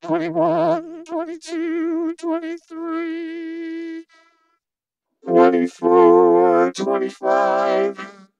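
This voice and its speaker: A man speaking through a vocoder, his voice turned into a slow, drawn-out synthesized robot voice. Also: sing-song, vocal fry, darkish tone, no room sound, highs cut off, faint music behind. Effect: vocoder robot voice, synthesized pitch. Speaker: synthesizer demo host. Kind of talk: talking through a vocoder, counting and repeating phrases.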